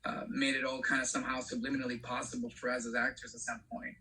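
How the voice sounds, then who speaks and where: A middle-aged man from Venezuela, an actor speaking as a panel guest in a halting way, with many fillers. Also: medium pitch, level tone, bright, forceful tone, slight background noise, low-quality recording. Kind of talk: panel discussion.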